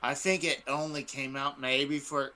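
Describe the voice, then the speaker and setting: A man on a podcast panel chatting casually, with halting, informal phrasing. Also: mid-range voice, flat delivery, bright, forceful tone. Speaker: podcast guest. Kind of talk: casual chat. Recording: clear background noise.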